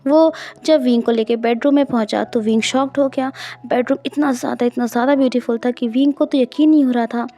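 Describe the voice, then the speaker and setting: A woman's voice: fairly high pitch, steady tone, brisk, mellow, soft background music. A woman narrating her own romance fanfiction as an audiobook, in a casual, conversational way. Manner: casual, conversational, mixes English words. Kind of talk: storytelling narration.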